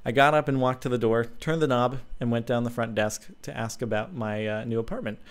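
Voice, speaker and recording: A young man reads a fan story aloud in a middle-pitched, relaxed voice. He stumbles, adds ums and breaks off for amused side comments, keeping the tone loose and unscripted. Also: a little fast, clean tone. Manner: casual, many ums, chuckling asides. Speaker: channel host.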